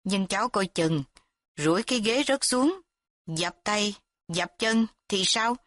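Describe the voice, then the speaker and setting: A woman's voice: medium pitch, expressive, slow, a bit bright, no room sound. A woman doing a fretful old grandfather. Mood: pleading. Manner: pleading, worried.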